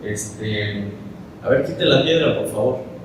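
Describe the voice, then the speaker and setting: Preacher doing a calm patient teacher, soft coaxing, mexican accent, echoey hall, far mic. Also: male voice, mid-range voice, slow pace, a little hiss or hum. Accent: Mexican Spanish. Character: patient, calm adult man, teacher of the story.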